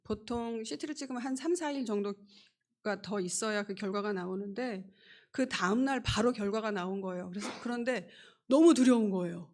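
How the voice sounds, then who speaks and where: A woman's voice: mid-range voice, moderate pace, darkish tone. A middle-aged woman giving a personal healing testimony at church, earnest and acting out her own pleas.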